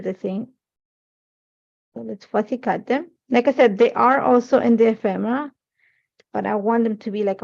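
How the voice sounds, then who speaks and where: A middle-aged native Spanish speaker with an Ecuadorian accent hosts a live crafting demonstration at her desk under an overhead camera, chatting casually and thinking aloud. Her fairly high voice is creaky and a little mellow. The stream audio is dull and lo-fi.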